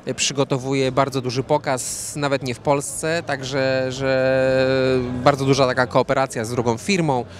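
A man in his thirties answering questions at an outdoor evening gala into a handheld mic, relaxed and rambling with many fillers. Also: medium pitch, normal speed, few pauses, slight background noise. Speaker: interview guest, fashion designer. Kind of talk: red-carpet interview. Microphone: handheld reporter mic.

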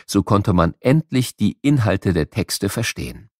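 A man reading scripted educational narration for children, explaining things like a storyteller with clear enunciation. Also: fairly low pitch, animated, unhurried, dry recording, studio quality.

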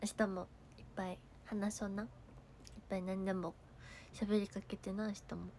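A woman's voice: medium pitch, little pitch movement, normal speed, dark tone, a little hiss or hum. A young woman with a Kansai accent chatting on a livestream, reading viewer comments aloud and thanking them, with a cough and a sore throat. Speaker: idol livestreamer. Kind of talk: casual livestream chat.

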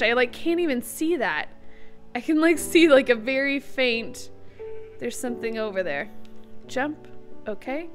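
Bubbly high-voiced woman doing game commentary. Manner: excitable and giggly, narrating her own moves. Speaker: gaming channel host. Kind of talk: let's-play gameplay commentary.

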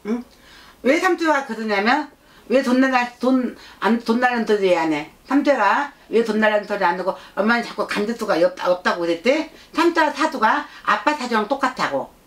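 A woman shaman channels a blunt little child spirit with a high voice that swings animatedly up and down. The speech is childish and nagging, circling back over the same words and pressing for agreement. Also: expressive, moderate pace, close to an everyday voice. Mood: insistent, scolding. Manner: childish, insistent, repetitive, scolding with prompting questions. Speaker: shaman fortune-teller. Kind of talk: shamanic consultation, speaking as a spirit.

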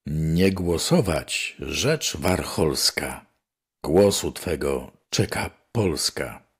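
An older man, an experienced broadcaster, reading old newspaper articles aloud in a measured, declamatory manner. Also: very deep voice, lively intonation, breathy edge. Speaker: newspaper reader.

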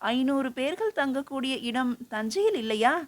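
A woman voicing an elderly male sage who questions gently but turns firm when he commands. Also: high-pitched, expressive, normal speed. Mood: gentle.

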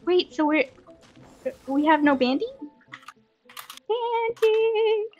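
A woman chatting casually while hosting a gameplay video, excitable and giggly, given to exclamations and sing-song bits. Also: very high-pitched, slow pace, muffled recording, soft background music. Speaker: gaming video host.

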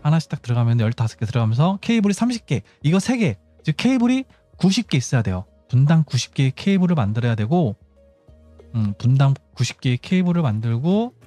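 A man hosts a casual game walkthrough in a slightly mellow voice with highly varied intonation. He explains step by step, thinking aloud. Music plays lightly behind him. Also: big pitch swings, fast talker, dry recording. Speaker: gaming channel host. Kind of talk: casual game tutorial commentary.

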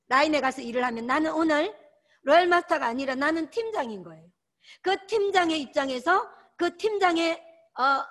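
High, lively woman. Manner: emphatic, repeats key words, exhorting. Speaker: sales team lecturer. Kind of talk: motivational training lecture.

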